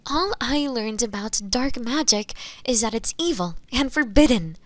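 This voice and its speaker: Pleading her innocence, the imprisoned witch of this fantasy roleplay, voiced by a woman, addresses the listener with a pretense of frailty. Her slightly high voice has lively intonation over a dry recording, while her halting, humble, old-fashioned formality often sinks into a breathy near-whisper.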